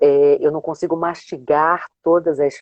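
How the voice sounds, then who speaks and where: At a very slow pace, a woman talks with a very deep, low pitch. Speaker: radio announcer. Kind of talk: interview answer, casual conversation on a live stream.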